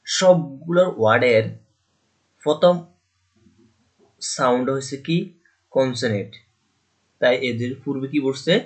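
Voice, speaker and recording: A male teacher explains a grammar rule in a classroom style. He keeps asking questions and answering them himself, repeating each point so the students remember it. His voice sits at an ordinary male pitch. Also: unhurried, pauses often. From Bangladesh.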